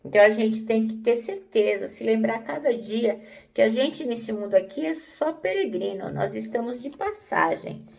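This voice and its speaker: A woman's voice: fairly high pitch, expressive, moderate pace, vocal fry, darkish tone, far from the mic. A woman teaching the Bible in a conversational way, often checking in with "né?" and "então".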